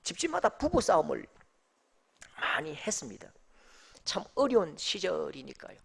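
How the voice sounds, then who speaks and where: A man's voice: high voice, normal speed, vocal fry, slightly rough. A male pastor with a Daegu accent, preaching an emphatic sermon to his congregation. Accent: Daegu dialect. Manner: animated and emphatic, addressing the congregation.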